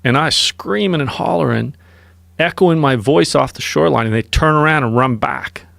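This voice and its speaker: Man, gravelly voice, dry studio sound, casual storyteller, podcast guest. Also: a little high, normal speed, no echo. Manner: animated, recounts outdoor hunting experiences.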